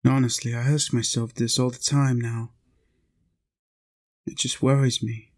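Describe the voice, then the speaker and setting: A man playing a lonely, tender, centuries-old vampire in an intimate roleplay audio, confiding softly and earnestly. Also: mid-range voice, level tone, measured pace.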